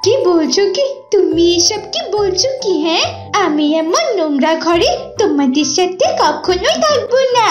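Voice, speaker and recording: A very high-pitched, bratty fox cub girl for a cartoon. She is haughty, whiny and scornful, heard in an echoey space with some music behind. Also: big pitch swings, normal speed, dull audio. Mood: haughty disgust. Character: cheeky, arrogant young girl fox cub. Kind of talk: cartoon voice acting. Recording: roomy echo with music.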